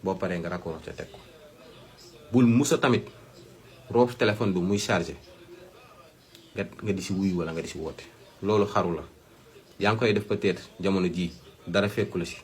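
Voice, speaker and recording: Deep-voiced Senegalese man giving advice. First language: Wolof. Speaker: host of a health advice channel. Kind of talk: direct-to-viewer health advice explainer.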